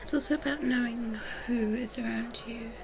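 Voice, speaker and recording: A woman voicing a gentle, reassuring female vampire twin in a soft, whispered ASMR roleplay. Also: a little high, fairly even intonation, moderate pace, gravelly, noisy background. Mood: patient, instructive.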